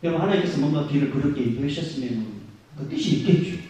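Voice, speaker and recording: A middle-aged man preaching a Sunday sermon as senior pastor. He swings between loud exhortation and quiet asides, and acts out the grumbling voices of the people he quotes. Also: on the high side, lively intonation, fast talker. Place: large church sanctuary. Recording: very echoey sanctuary, voice from far off.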